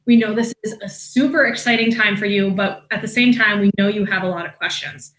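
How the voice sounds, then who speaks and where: A woman's voice: mid-range voice, brisk, a bit bright, echoey room, low-quality recording. A woman hosting an online alumni hangout, friendly and upbeat, with many "um"s and "uh"s. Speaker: admissions marketing manager hosting an online hangout. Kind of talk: casual moderated video chat.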